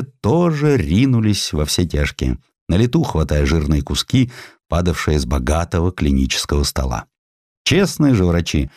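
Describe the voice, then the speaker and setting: Deep male audiobook guy telling history, very animated and theatrical, dry close sound. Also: no room sound. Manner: theatrical, expressive storytelling. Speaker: audiobook narrator. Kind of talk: dramatized scripted narration of historical essay.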